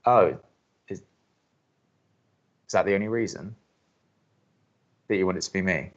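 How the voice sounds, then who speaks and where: An actor playing a wry, hesitant young college radio co-host who doubts everything, in an audio drama. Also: male voice, low-pitched, a little slow, highs cut off. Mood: hesitant, guarded. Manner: hesitant, dry, sardonic. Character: Drew, wry reluctant skeptic male college radio co-host. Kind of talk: naturalistic audio drama acting.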